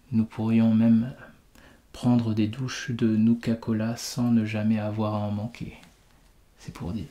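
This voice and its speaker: A man speaks softly and very slowly in a low, mellow voice. He plays a courteous shelter official in an ASMR roleplay, with polite, formal phrasing and a soothing, even delivery that drifts toward a whisper. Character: courteous, reassuring male vault shelter official welcoming a resident. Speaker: ASMR performer playing a fallout-shelter host. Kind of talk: soft-spoken ASMR roleplay.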